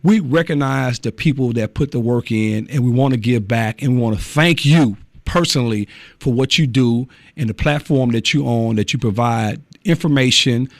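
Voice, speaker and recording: A man speaking as a guest on a radio show, earnest and halting as he explains an honor. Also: mid-range voice, no room sound. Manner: earnest, halting, repeats words. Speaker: fraternity chapter representative, studio guest. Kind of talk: radio interview. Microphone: studio microphone.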